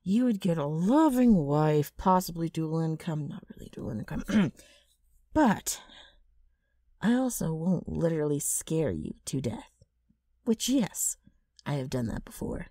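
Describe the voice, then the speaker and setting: A woman acts out a brash ghoul woman in an ASMR roleplay, rough and dark-toned. Her pitch swings widely as she wheedles and needles with sardonic mischief. The sound is very dry and close. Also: very animated, a little slow, no room sound, full character voice. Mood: wheedling, sardonic. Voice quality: rough, gravelly.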